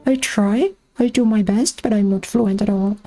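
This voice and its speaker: A woman's voice: medium pitch, normal speed, dark tone, soft background music. A young woman streamer chatting casually as she plays, thinking aloud about missions and thanking subscribers. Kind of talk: casual gameplay commentary.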